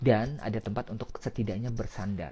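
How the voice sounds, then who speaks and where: A soft-spoken man talks at a fairly low pitch with ordinary pitch variation. Music plays in the background. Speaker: psychologist / therapist. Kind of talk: live therapy session explanation. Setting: Instagram live stream. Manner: hesitant fillers, casual.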